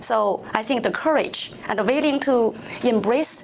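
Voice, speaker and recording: A woman speaks in a Chinese accent with ordinary pitch variation. Noticeable background noise runs under her voice. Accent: Mandarin Chinese. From China, Tianjin. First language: Mandarin Chinese. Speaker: city councilmember and school district worker. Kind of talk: interview.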